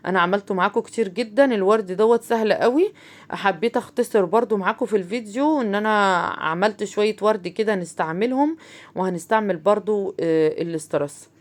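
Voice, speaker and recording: A fast-talking woman with an Egyptian accent walks viewers through a homemade craft. She keeps up a friendly, chatty stream of talk, full of fillers and direct asides to her audience. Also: mid-range voice. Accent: Egyptian Arabic. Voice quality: chatty, talks straight to viewers, many fillers. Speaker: crafts channel host. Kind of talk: casual craft tutorial.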